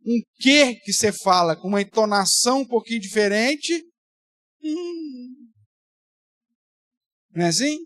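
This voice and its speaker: A man's voice: extremely high pitch, animated, a little slow, long pauses, a bit bright, dry recording, clean studio sound. A man, a pastor teaching a Bible study in a conversational way with playful exaggeration. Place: church.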